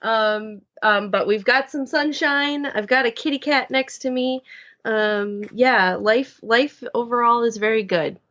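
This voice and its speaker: A woman's voice: fairly high pitch, a little slow, a bit bright, lo-fi sound. A woman from Minnesota with a Minnesotan accent, chatting as a podcast guest in a bubbly, enthusiastic way with many ums. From Minnesota, USA. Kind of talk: casual podcast chat.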